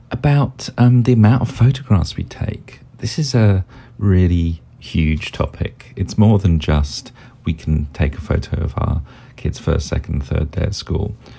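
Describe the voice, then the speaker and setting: A man with a British accent speaks at a fairly slow pace in a very deep, low pitch. His pitch swings very widely, and there is noticeable background noise. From Great Britain. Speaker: podcaster and designer. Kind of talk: recorded voice message. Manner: halting.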